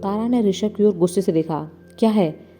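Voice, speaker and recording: A woman's voice: medium pitch, a little fast. A woman reading a story aloud, narrating and voicing the figures' dialogue with mild changes in tone. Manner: reads the dialogue of several figures with mild shifts. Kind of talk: scripted narration with light character voices. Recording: soft music bed behind the voice.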